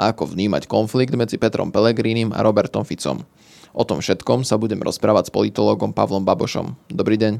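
A man's fairly quick, fairly low-pitched speech with vocal fry and ordinary pitch variation. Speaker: podcast host. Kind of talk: interview.

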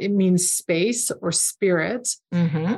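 Very slowly and with ordinary pitch variation, a woman talks against a quiet background. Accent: Canadian. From Canada, Alberta. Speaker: yoga teacher and spiritual practitioner. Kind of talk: interview.

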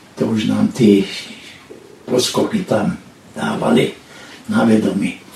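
There is noticeable background noise as a man speaks at a fairly slow pace. He takes long, frequent pauses. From Bratislava, Slovakia. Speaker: war and persecution witness. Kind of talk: testimony.

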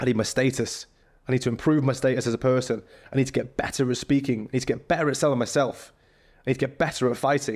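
A man with a British accent at a very fast pace, very even in loudness, with fairly even intonation, on a very clean recording against a silent background. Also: medium pitch for a man. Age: 30s. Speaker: boxer and businessman. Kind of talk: casual interview. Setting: studio.

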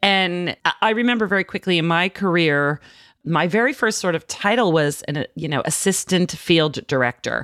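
A woman with an ordinary speaking voice talks at a moderate pace, fairly low in pitch and with lively intonation. The recording is very clean with a silent background and a dry, close sound with no echo. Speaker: podcast host. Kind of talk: casual interview.

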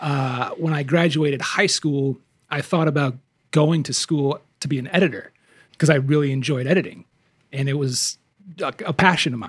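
Speaking at a moderate pace, a man with an American accent has a fairly high, somewhat breathy voice and fairly even intonation. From Minnesota. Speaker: actor and film producer. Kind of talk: casual interview chat.

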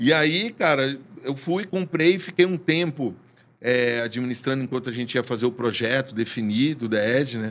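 A man uses a plain, everyday voice at a medium pitch, keeping a moderate pace and ordinary pitch variation. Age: 40s. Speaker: nightclub owner. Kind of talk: casual interview chat.

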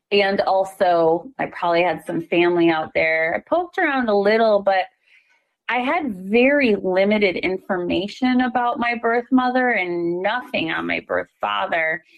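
With lively intonation, a plain, everyday voice talks at a moderate pace. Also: woman, medium pitch for a woman. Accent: American. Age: 30s. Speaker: mental health therapist. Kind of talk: interview.

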